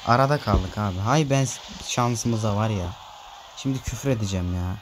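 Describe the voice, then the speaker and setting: Over music, this man talks at normal speed in a lowish voice while making gameplay videos. He speaks straight to his audience in a chatty way, complaining irritably about the random players on his team.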